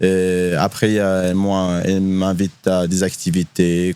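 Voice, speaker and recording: A man's very deep, low voice, dark and mellow in tone, at a very slow pace. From Morocco, village near Marrakech. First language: Berber (Amazigh) (speaking French). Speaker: immigrant newcomer. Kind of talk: interview. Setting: outdoors. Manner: halting.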